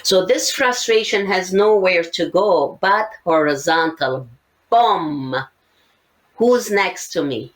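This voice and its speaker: An older woman speaks in a low, unhurried voice. She lays out her points one by one, earnest and methodical, like a therapist guiding a listener through a subject. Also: animated. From Syria. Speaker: psychotherapist guest. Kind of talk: podcast interview, explaining.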